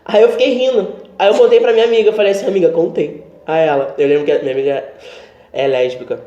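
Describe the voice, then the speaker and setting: Young Brazilian man, podcast co-host, fast and lively, mellow tone; roomy, muffled home recording. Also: high voice. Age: young adult. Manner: animated, acts out quoted dialogue. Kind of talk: casual storytelling chat.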